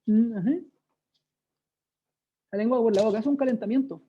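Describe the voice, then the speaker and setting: Racing along in a fairly high, dark-toned and slightly rough voice, a Chilean-accented presenter teaches a lively online workshop on speaking. She demonstrates exercises and keeps checking in with participants, and the video call audio is dull and lo-fi.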